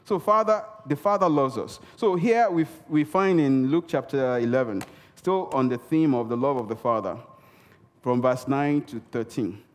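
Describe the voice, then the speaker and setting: A man's voice: medium pitch, normal speed. A man preaching a sermon in a church, emphatic and repetitive, calling out for responses from the congregation. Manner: emphatic, repeats key words for effect; calls for audience response. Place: church hall. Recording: reverberant hall.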